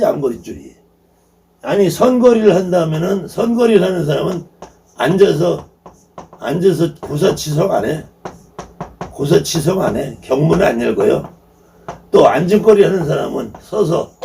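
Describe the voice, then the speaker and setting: A man's voice: a little high, creaky, dark tone, distant mic, a little hiss or hum. A man lecturing as a shaman teacher, emphatic and repetitive, scornfully firing off rhetorical questions, recorded from a bit away from the mic.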